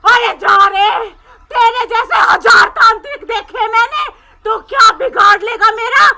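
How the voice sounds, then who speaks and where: An actress playing a possessed girl whose spirit taunts and threatens a holy man, shouting and cackling. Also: very high-pitched, measured pace, a faint crowd, heavily acted. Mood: taunting. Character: possessed girl, spirit Anarkali, defiant and fierce.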